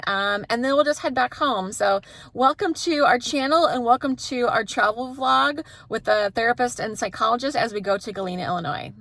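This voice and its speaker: A woman's voice: on the high side, fairly bright tone. A woman hosting a casual vlog, chatting and asking interview questions. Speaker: host and interviewer, therapist. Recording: clear vehicle and outdoor background noise.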